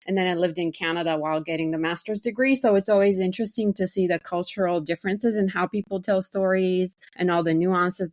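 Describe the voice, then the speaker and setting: A woman's voice: lowish voice, dry recording. Thoughtful woman from Bulgaria, dry mic. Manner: thoughtful, fillers, restarts sentences. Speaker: guest, marketing director. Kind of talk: casual interview talk.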